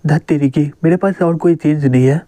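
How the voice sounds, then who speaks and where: A man voices a cheeky teenage schoolboy in a manga recap. He talks back quickly and jokes around. The voice sits a bit high and mellow, dry. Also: no echo, lightly acted. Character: teenage schoolboy hero with x-ray vision, cheeky.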